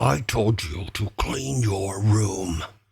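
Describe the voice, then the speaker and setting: This man uses a put-on character voice pitched fairly low. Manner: angry, scolding.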